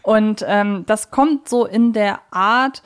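A woman speaks as a podcast co-host in casual, reflective conversation. Her pitch sits in the middle of the female range. She pauses to find the right word and often rephrases what she has begun. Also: smooth. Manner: hesitant, searching for words, self-correcting. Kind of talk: casual analytical podcast chat.

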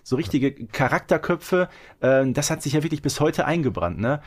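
A man's voice: on the high side, animated, normal speed. A middle-aged man chatting casually as a podcast host, talking like a keen fan who loves detail.

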